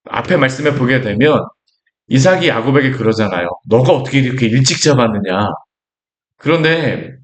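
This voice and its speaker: A male pastor preaching a sermon in a conversational way, asking his listeners rhetorical questions and acting out lines from scripture. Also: medium pitch.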